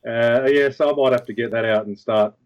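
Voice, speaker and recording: A man's voice: mid-range voice, brisk. Laughing podcast host man, dull sound. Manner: laughs often, relaxed filler talk. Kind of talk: casual podcast chat.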